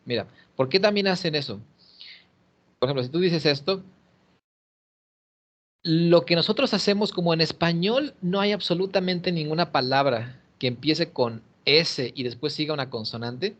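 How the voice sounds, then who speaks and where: A man's voice: a little high, normal speed, fairly bright tone. A man teaching English one-on-one over a video call, patiently explaining and modelling pronunciation. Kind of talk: one-on-one online English lesson. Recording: muffled lo-fi call audio.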